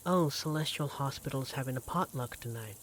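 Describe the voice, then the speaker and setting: A man playing an affectionate, devoted vampire partner in a roleplay audio drama, speaking in a tender, gently teasing, conversational way. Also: medium pitch, a little fast, close to an everyday voice. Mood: surprised, curious. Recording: clearly audible background noise, sizzling kitchen effects.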